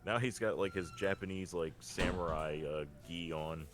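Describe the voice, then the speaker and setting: A man's voice: deep voice, moderate pace, background noise. A man co-hosting a podcast in casual fan chat, rambling and enthusiastic. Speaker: podcast co-host. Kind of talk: casual fan chat about games and cartoons.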